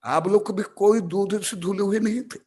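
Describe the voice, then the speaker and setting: A man's voice: high-pitched, fairly even intonation, normal speed, darkish tone. A man giving a sermon on scripture in an emphatic, scolding, lecturing manner.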